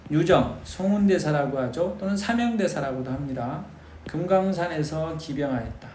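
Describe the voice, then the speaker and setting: A man's voice: fairly high pitch, lively intonation, normal speed, darkish tone. A man giving an exam-prep history lecture, speaking emphatically to his students and asking them rhetorical questions. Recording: echoey room with faint noise.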